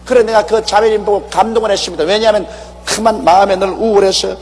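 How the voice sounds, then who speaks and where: A man preaching a sermon as pastor, animated and acting out quoted speech, with wide swings between loud emphasis and soft asides. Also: sits high, quick pace, big-room sound.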